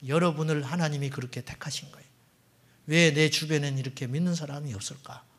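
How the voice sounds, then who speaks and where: Man, pastor, middle-aged, husky, slightly high voice, emphatic sermon, loud-to-whisper swings, church. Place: church sanctuary.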